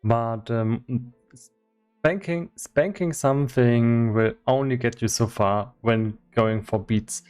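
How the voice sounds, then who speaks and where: A man doing casual livestream commentary as he works on game development, thinking aloud in a halting way. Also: mid-range voice, a little mellow, clear, resonant tone, soft background music. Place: indoors in his own room.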